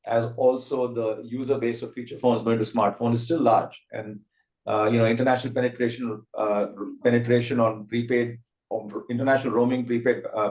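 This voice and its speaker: A man's voice: mid-range voice, a little mellow. A man with an Indian accent answering as a company executive on an earnings call, methodically setting out his points. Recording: roomy echo.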